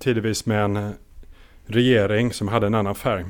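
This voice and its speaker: A man talks at a moderate pace and medium pitch. He has an ordinary speaking voice with ordinary pitch variation. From France. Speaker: interest rate strategist at a bank. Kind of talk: interview.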